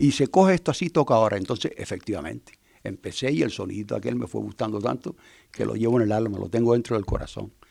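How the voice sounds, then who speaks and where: A man's fairly low-pitched voice with a dark, mellow tone and vocal fry, lively intonation and a very fast pace, on a very clean recording with a silent background. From Canary Islands, Fuerteventura (Puerto del Rosario). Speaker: festival speaker and timple musician. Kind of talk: casual interview.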